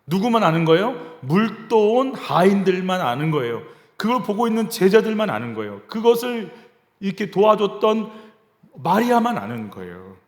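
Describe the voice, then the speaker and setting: Male pastor, lively conversational sermon, roomy echoing church sound. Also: high-pitched, moderate pace. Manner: conversational preaching, acts out quoted voices. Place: church sanctuary. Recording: reverberant church hall.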